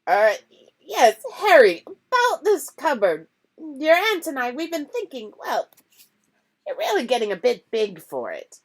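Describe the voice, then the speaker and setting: A woman voicing a blustering, angry middle-aged uncle who shouts and sneers. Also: high-pitched, lively intonation, a little slow, voice pushed up.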